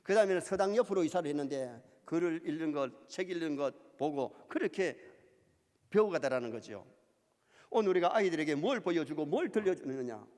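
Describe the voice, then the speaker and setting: A male pastor preaching a sermon, lively and emphatic, with quoted asides. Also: a little high, a little fast. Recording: church hall reverb.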